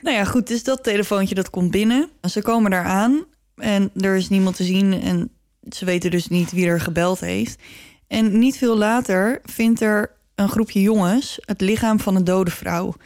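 A woman's voice: medium pitch, normal speed, few pauses, a little mellow, no echo, clean studio sound. A woman hosting a podcast, telling a true-crime story in a conversational style.

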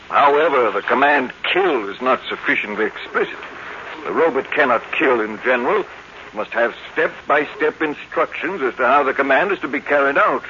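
An actor playing an authoritative scientist in a 1950s radio drama, formal, emphatic and explanatory. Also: male voice, medium pitch, pushed and bright. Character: authoritative robot scientist explaining his machine calmly. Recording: muffled, noisy old radio recording.

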